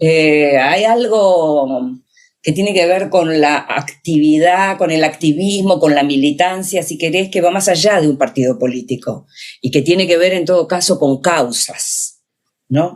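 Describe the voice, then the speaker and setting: In a Rioplatense accent, a woman with a fairly low pitch speaks at a fairly slow pace with ordinary pitch variation. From Argentina. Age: 60s. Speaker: journalist and writer. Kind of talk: interview conversation.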